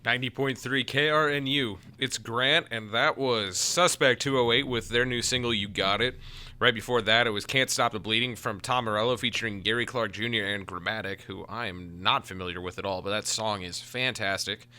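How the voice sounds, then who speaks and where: A man's voice: lowish voice, moderate pace, pushed and bright. An American man working as a radio DJ, announcing music and chatting in a casual, enthusiastic way.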